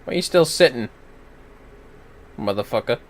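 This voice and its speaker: A man's voice: medium pitch, animated, normal speed, a little hiss or hum. A man giving casual, blunt, reactive commentary while livestreaming a game. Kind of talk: casual gameplay commentary, reads dialogue aloud.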